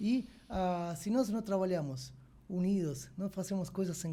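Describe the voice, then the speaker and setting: A high-pitched man's voice in an Argentine accent, dark and mellow in tone, with ordinary pitch variation. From Argentina. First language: Spanish (speaking Portuguese). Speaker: craft brewery owner. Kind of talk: casual interview. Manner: halting, many fillers.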